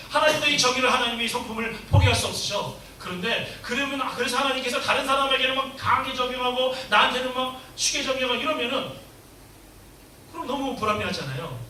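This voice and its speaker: A man with a high, piercingly bright voice preaches emphatically, asking his congregation one question after another. He sounds set back from the mic in a very echoey church hall, with a faint hiss underneath. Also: lively intonation, fast talker, recorded from a distance. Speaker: pastor. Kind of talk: sermon.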